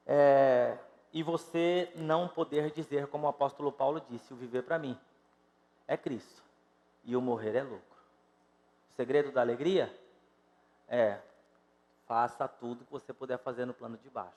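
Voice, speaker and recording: A Brazilian man in his fifties preaching a sermon to his congregation, emphatic and direct, swinging between loud exclamations and quiet, drawn-out phrases. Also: mid-range voice, big-room sound. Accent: Brazilian Portuguese. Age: 50s. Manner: emphatic, rises and drops sharply in loudness, addresses congregation directly. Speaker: pastor. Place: church sanctuary.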